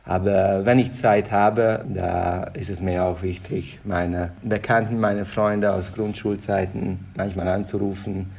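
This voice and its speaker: A man's voice: low-pitched, steady tone, measured pace, hardly any pauses, a little mellow, dull audio. A man from Hungary, answering interview questions earnestly and sometimes repeating words as he searches for phrasing. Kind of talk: thoughtful personal interview answers.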